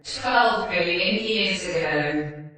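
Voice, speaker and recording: A woman voicing the computer of a time machine in a science fiction radio drama, making measured announcements. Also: on the low side, lively intonation, sharp tone, exaggerated voice. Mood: measured announcing. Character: calm female ship computer of a time machine. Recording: very echoey, distant, music behind. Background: music.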